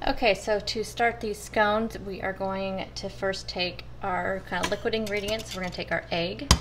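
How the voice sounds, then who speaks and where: A woman's voice: mid-range voice, steady tone, moderate pace, noisy background. Chatty woman cooking in a home kitchen. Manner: chatty, addresses viewers as you guys. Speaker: cooking vlogger. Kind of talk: casual step-by-step cooking talk.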